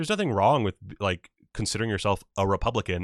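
In a dry, close sound with no echo, a man with an American accent talks at a very fast pace. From US South, South Carolina. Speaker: film critic podcaster and filmmaker. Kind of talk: casual solo commentary. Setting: live stream with chat comments. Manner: halting, many fillers.

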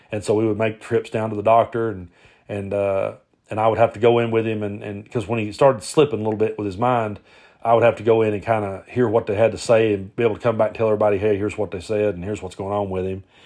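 Someone with an Appalachian accent talks at a very fast pace. The intonation is monotone and flat, and the background is quiet. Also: man, fairly low pitch for a man. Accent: Appalachian Southern. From Southeast Kentucky. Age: 40s. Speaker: podcast host and social commentator, former musician. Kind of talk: casual monologue, personal storytelling. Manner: casual, filler-heavy, conversational.

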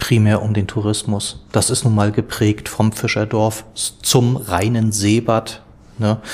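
This man speaks at a fairly slow pace with a fairly low pitch. His voice is somewhat breathy. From Rügen, northeastern Germany. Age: 40s. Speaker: city archivist. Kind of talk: interview.

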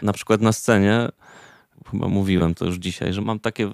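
This is a man with a fairly low pitch. The sound is dry and close, with no echo. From Poland, Świnoujście (Baltic coast). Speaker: musician and composer. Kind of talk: casual chat.

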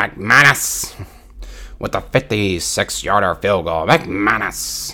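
Using a put-on character voice, a man speaks very slowly in a raspy, fairly low tone. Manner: exaggerated, bad imitation.

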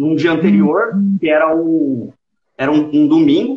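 The voice belongs to a man. His intonation is lively. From São Paulo state, Brazil. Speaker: small food business owner. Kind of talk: live mentoring conversation. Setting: video call. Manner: halting.

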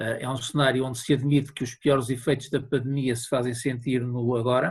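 A man with a European Portuguese accent, somewhat breathy and fairly high in pitch, at a fairly quick pace with fairly even intonation over a quiet background. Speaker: economics professor. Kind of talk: interview.

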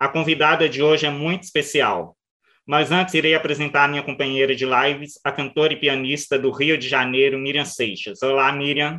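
Intonation stays fairly even at a moderate pace. It is a plain, everyday voice. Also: man, fairly high pitch for a man. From Minas Gerais, Belo Horizonte. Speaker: radio host. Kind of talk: interview.

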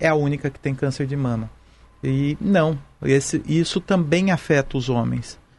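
A man with a fairly high voice and a somewhat breathy sound. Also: ordinary pitch variation, moderate pace, big swings in loudness. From Brazil, Campinas (São Paulo state). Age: 40s. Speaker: state legislator. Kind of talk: interview.

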